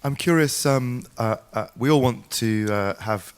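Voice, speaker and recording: A man's voice: mid-range voice, measured pace, smooth. A man in a conference audience asking a thoughtful question with many fillers.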